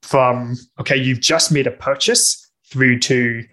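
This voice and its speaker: A Northern Irish man speaks as a podcast guest with a bright, forward voice. He explains at an easy conversational pace, stopping often with fillers and restarts as he works through his thoughts. His delivery is relaxed and unscripted. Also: mid-range voice, slow. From Northern Ireland. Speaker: guest discussing customer success. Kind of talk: conversational interview answers.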